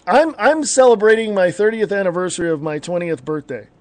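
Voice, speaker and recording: A man in his fifties with a notably high-pitched voice hosts a casual talk show. He rambles through his stories, filling gaps with "you know" and "uh" and laughing often. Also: lively intonation, brisk, darkish tone, slight background noise. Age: 50s. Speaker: podcast host. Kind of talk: casual chat.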